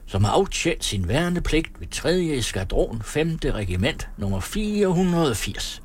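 A man's voice: a little high, big pitch swings, pitched above the performer's own voice. A man voicing a cheerful, cocky young farmhand who swears and boasts jauntily. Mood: jaunty.

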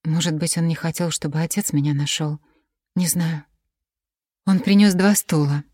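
A woman narrating a first-person audiobook in a quiet, measured reading voice on a close mic. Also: low voice, dry recording.

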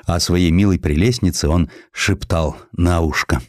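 A man narrating a historical literary essay from a script in an expressive, theatrical manner. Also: deep voice, measured pace, dry recording, studio quality. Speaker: audiobook narrator.

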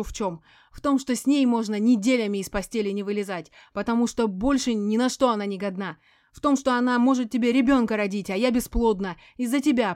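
A woman reading an audiobook voices a furious, spiteful ex-wife who hisses and yells, her voice breaking into shrieks. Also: mid-range voice, no echo, studio quality, close to an everyday voice. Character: furious embittered ex-wife, spiteful poisoner, screaming.

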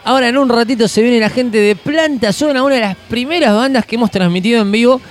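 A man's voice: very high-pitched, fast. A man with an Argentine accent hosting a live music broadcast from a venue, chatting enthusiastically in a casual, slangy way. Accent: Argentine Spanish. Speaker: radio show host.

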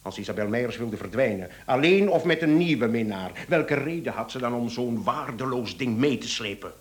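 A man's voice: medium pitch, lively intonation, normal speed, close to an everyday voice. A man playing a shrewd police inspector in a radio drama, theatrical, probing and sardonic as he insinuates. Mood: accusing. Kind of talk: Dutch-language radio drama acting.

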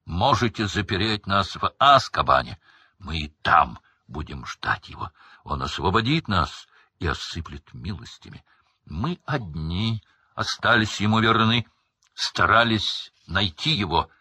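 A man's voice: deep voice, big pitch swings, unhurried, sharp tone, breathy edge, dry recording, exaggerated voice. A man voicing a scornful, fanatical woman prisoner who defies her judge. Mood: defiant. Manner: scornful, defiant.

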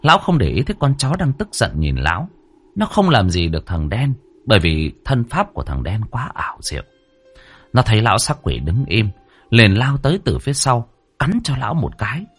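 A man narrating a scripted story with dramatic, expressive delivery. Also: medium pitch, normal speed, breathy edge, soft background music.

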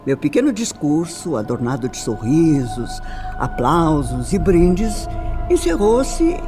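An actress playing a refined, sorrowful older mother in a radio drama, with a Brazilian accent and solemn, deliberate, formal phrasing. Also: deep voice. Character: older upper-class widowed mother, grave, sorrowful, refined. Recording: music under the voice. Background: background music.

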